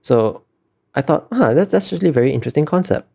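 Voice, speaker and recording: A man's voice: fairly high pitch, expressive, quick pace, vocal fry, warm tone. A man giving earnest, hesitant interview answers as an illustrator, often searching for his words.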